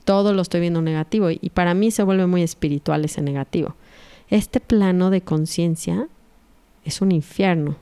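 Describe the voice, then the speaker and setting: A woman in her thirties with a Mexican accent, telling a spiritual story to her audience in a casual, animated, confiding way. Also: fairly low pitch, smooth. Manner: animated, confiding, often asks "right?".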